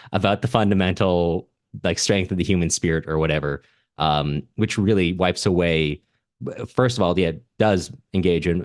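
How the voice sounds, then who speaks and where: A man's voice: low voice, no echo, studio quality. A man co-hosting a casual literary discussion, talking in an earnest, analytical way. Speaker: podcast co-host discussing literature.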